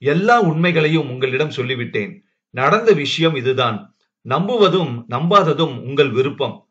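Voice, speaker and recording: A man's voice: on the high side, animated, normal speed, fairly bright tone. A man voicing a young wife who is upright and distressed, speaking in a firm, pleading tone. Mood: resigned. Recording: dull lo-fi recording.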